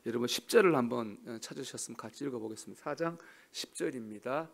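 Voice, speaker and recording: A man preaching a sermon as pastor, swinging between soft murmurs and loud emphatic cries and putting questions to the congregation. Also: medium pitch, quick pace, gravelly.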